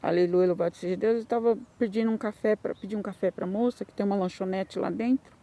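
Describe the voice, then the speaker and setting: A woman's voice: medium pitch, fairly even intonation, quick pace, warm tone. A woman with a Brazilian Portuguese accent giving a Christian testimony, telling her story in an emotional, repetitive way that rises into fervent bursts.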